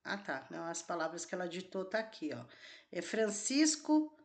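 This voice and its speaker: A woman teacher with a lowish, sing-song voice at normal speed walks her students through an exam question one step at a time. Throughout this exam-prep lesson, she keeps asking the class questions.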